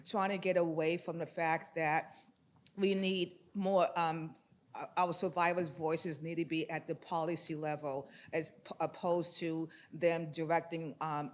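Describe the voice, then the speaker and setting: A man from the audience giving a loud, informal, rambling report back into a microphone in a conference room, laughing easily as he talks. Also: fairly high pitch. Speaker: audience participant. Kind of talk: audience comment in a workshop. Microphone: handheld microphone.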